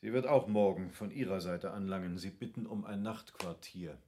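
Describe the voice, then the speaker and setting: An actor playing a genteel, well-to-do landowner in a radio drama, speaking in polite, formal period language. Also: male voice, low voice, moderate pace, darkish tone, a little hiss or hum, natural voice. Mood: practical, concerned. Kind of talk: literary radio drama acting.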